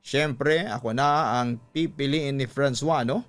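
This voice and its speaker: A man's voice: medium pitch, takes it slowly, a bit bright. A man voicing a brazen, smug mistress in a dramatized radio story, drawling and boastful as the character taunts a rival. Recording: music under the voice.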